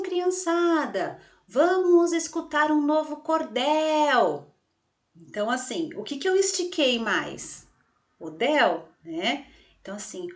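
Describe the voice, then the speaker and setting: A woman teacher with a Brazilian Portuguese accent, leading a lesson for children and drawing out syllables slowly. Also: on the high side. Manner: slow, drawn-out stressed syllables; addresses the class warmly with questions. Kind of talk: remote class lesson for children.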